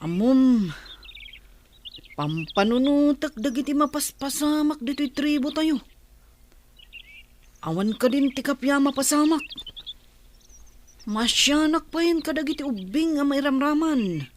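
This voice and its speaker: A woman's voice: sits high, lively intonation, a little slow, long pauses. A woman playing a troubled, indignant young tribal woman in an Ilocano radio drama, over noisy birdsong. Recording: clear background noise with chirping birds.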